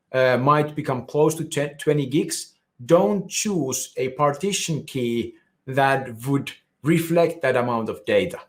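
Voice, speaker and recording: Finnish man giving a tech talk. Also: mid-range voice. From Finland. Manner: explanatory, with frequent restarts. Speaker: conference speaker. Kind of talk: technical presentation.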